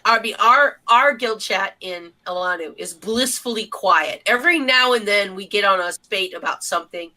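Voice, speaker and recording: A woman's voice: mid-range voice, normal speed, few pauses, pushed and bright, low-quality recording. A woman co-hosting a casual podcast chat, speaking bluntly and emphatically. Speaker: podcast co-host.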